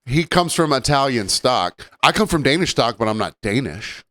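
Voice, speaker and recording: A man with a mild Southern accent hosting a podcast, rambling casually, joking and slipping into quick impressions. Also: medium pitch, sing-song, bright, forceful tone, no room sound. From Southern United States. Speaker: podcast host.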